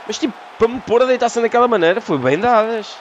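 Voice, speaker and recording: A man with a European Portuguese accent giving excited gameplay commentary, swearing and rapidly repeating words. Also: extremely high pitch, highs cut off. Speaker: gaming commentator. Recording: loud crowd and game noise behind. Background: game crowd noise.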